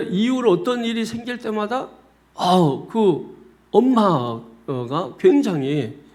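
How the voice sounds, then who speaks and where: A man, a senior pastor, preaching a sermon and telling a personal story, often speaking straight to his congregation. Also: fairly high pitch. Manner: animated storyteller, often addressing the congregation directly. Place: church sanctuary.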